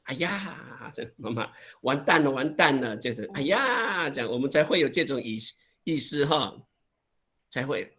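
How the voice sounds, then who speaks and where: A man with a Taiwanese Mandarin accent teaching an online language lesson over a video call, acting out exclamations with drawn-out, expressive voicing. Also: medium pitch.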